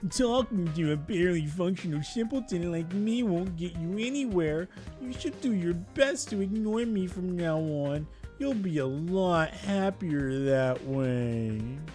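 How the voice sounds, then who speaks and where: Set against clear music in the background, a put-on character voice at middle pitch unfolds at a fairly slow pace. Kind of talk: formal, disparaging.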